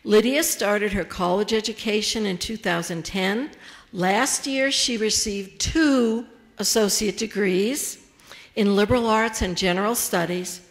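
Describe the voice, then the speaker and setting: With a mid-range voice, a female ceremony emcee delivers names, titles and introductions at a measured, even rhythm.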